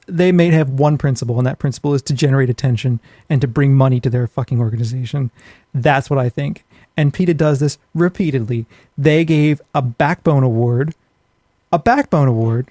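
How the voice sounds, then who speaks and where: A man's voice: medium pitch, mellow, no room sound, clean studio sound. A man co-hosting a casual podcast in a blunt, opinionated, ranting way, swearing freely. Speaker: podcast co-host. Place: small home office.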